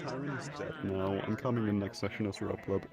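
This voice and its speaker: A man joking around in an online roleplay, jumping into silly high squeaks. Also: fairly quick, a crowd in the background. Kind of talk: casual roleplay banter.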